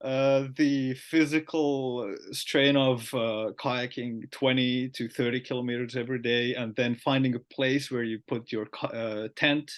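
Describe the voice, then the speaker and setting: A man with a Finnish accent, a podcast host talking casually and often pausing with fillers. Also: medium pitch, steady tone. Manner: chatty, halting with frequent "uh" fillers.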